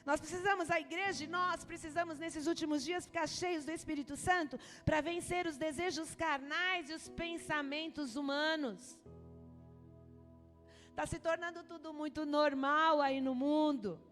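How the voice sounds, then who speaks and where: High-voiced Brazilian woman preaching passionately. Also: steady tone, normal speed, big-room sound, faint music behind. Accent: Brazilian Portuguese. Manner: passionate, swings from soft to loud. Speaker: bishop preaching. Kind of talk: church sermon. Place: church hall.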